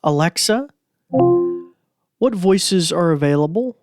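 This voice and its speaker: A man's voice: high voice, animated, slow pace, no room sound, clean studio sound, soft background music. A man hosting a podcast, chatting casually and rambling with lots of fillers as he demos a gadget. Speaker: podcast host. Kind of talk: casual tech demo chat.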